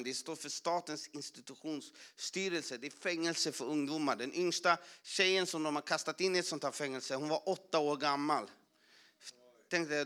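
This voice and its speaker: A man's voice: a little high, pushed and bright. A man preaching a passionate testimony, talking with many restarts and fillers. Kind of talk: emphatic sermon testimony.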